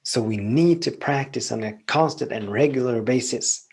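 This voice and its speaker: In a gravelly, husky mid-range voice, a male podcast host with Swedish as his first language gives a calm spiritual monologue at a moderate pace. His reflective teaching often strings repeated phrases into long lists.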